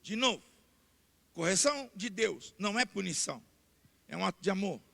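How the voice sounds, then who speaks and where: High gravelly Brazilian pastor preaching. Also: male voice, animated, normal speed. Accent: Brazilian Portuguese. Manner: repeats key points, rising to loud emphatic declarations. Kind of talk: sermon. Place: church sanctuary. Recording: long church hall reverb.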